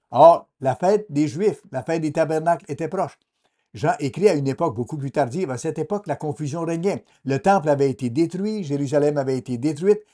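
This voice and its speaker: A man giving a translated sermon as a voice-over in a measured, earnest preaching manner. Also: on the high side, dark tone.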